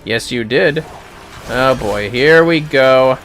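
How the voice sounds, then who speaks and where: A man's voice: medium pitch, takes it slowly, fairly bright tone, slight background noise, low-quality recording. A man giving casual, foul-mouthed commentary on a gaming livestream, muttering to himself with playfully theatrical outbursts.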